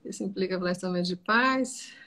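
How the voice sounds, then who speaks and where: A woman's voice: lowish voice, fairly quick, pushed and bright. A Brazilian woman therapist giving a didactic, conversational talk to camera about marriage, acting out sample dialogues as she explains. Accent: Brazilian Portuguese.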